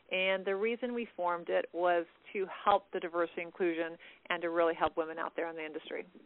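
A woman talks at a fairly quick pace in a plain, everyday voice. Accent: American. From California. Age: 50s. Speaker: real estate association founder. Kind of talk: interview.

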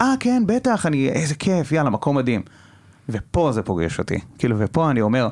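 Moving at a fairly quick pace, a man talks with very wide pitch swings. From Israel, Golan Heights kibbutz. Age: 20s. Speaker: communications student and metal band musician. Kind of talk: casual chat. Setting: studio.

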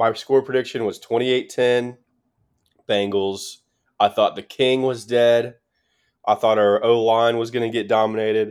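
On a very clean recording with a silent background, a man speaks fairly slowly at a medium pitch in a monotone, flat intonation. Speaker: sports podcast host. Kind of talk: casual chat.

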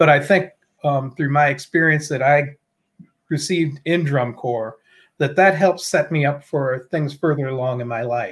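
Somewhat breathy, a man talks at a moderate pace and a fairly high pitch with ordinary pitch variation. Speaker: drum corps organizer. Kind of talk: casual interview.

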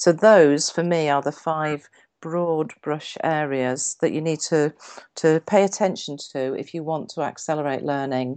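Against a quiet background, a woman with a northern English accent speaks at a fairly slow pace in a very deep, low voice. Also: fairly even intonation. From northwest England, west of the Pennines. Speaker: corporate trainer, accelerated learning expert. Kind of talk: interview conversation.

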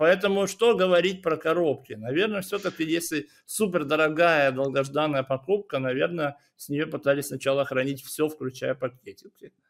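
A man with a plain, everyday voice delivers his words at a moderate pace, with ordinary pitch variation. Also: fairly high pitch for a man. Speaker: guest, streamer and gamer. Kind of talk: casual conversational chat. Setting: remote call, midnight.

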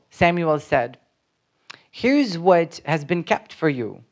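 Against a quiet background, a man with a Ukrainian accent speaks in a high pitch with lively intonation. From Ukraine. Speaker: missionary preacher. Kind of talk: sermon. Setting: church.

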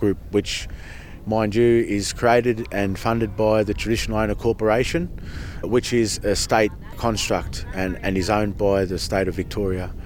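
Over noticeable background noise, a man with an Australian accent speaks at a fairly quick pace in a fairly low, monotone, flat voice. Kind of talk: interview. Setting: outdoors.

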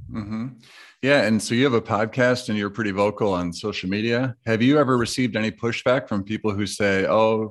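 It is a normal speaking voice with fairly even intonation. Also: man. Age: 40s. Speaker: podcast host. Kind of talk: casual interview chat.

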